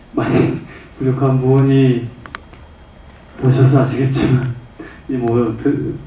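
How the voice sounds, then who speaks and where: A man's voice: medium pitch, warm tone, a little hiss or hum. Earnest man heard far off in a hall. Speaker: actor. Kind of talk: press conference answers. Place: cinema press conference hall.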